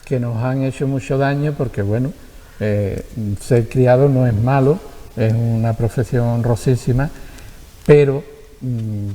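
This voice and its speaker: Andalusian man, TV guest, soft dark tone, halting thoughtful speech, reverberant room. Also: mid-range voice, steady tone. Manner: thoughtful, halting, repeats words as he searches. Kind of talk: reflective conversation.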